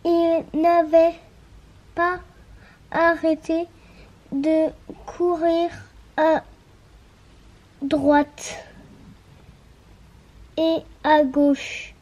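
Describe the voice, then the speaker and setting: A person with a French accent slowly reading a bedtime story aloud, word by word. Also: female voice, high voice, muffled recording. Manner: slow, word by word, even.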